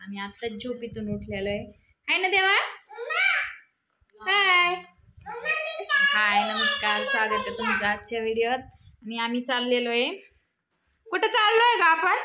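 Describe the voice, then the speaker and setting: A young woman speaks in a high, bright voice. She talks slowly and warmly to viewers from her home, often turning to coo at her baby. A faint hiss of background noise sits behind her phone recording. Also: big pitch swings. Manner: cooing baby talk to an infant. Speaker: vlogger and mother. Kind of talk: casual family vlog.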